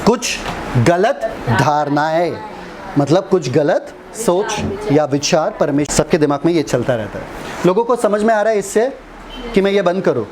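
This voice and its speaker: A man's voice: sits high, animated, moderate pace, noisy background. A man preaching in a casual, conversational style, teasing the audience and asking them questions. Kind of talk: conversational Hindi sermon.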